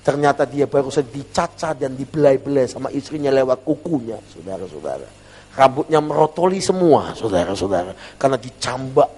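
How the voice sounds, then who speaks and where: Animated male preacher in a reverberant church. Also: mid-range voice, fairly quick, breathy edge. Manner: humorous, animated, keeps addressing the congregation. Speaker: pastor. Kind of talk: sermon.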